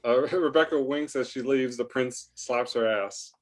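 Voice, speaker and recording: A man's voice: mid-range voice, measured pace, slight background noise. A man narrating stage directions from a script in an amateur staged reading.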